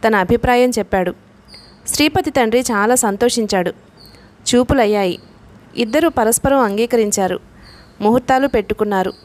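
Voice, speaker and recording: A woman reads a novel aloud for an audiobook. She tells the story in a steady, even way. Her voice sits a little high. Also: normal speed, pauses often. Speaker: audiobook narrator.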